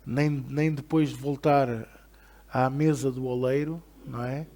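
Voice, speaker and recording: A man with a European Portuguese accent, preaching a Bible study sermon with lively rhetorical questions to the congregation, then leading a prayer. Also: mid-range voice, measured pace. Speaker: pastor.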